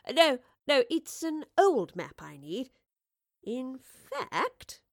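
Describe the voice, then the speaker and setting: Female professor-adventurer, voiced by a woman narrator, storybook. Brisk, cheerful, affectionate, politely old-fashioned. Dry. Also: high-pitched, wildly swooping pitch, gravelly, no echo, voice pushed up, full character voice. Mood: assured.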